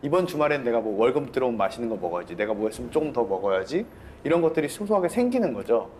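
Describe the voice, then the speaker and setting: A man's voice: medium pitch, very animated, a little mellow, slight background noise. A man on a career advice panel who earnestly encourages a worker to find small joys in everyday life. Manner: earnest and encouraging, rapid talker. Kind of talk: casual advice-giving.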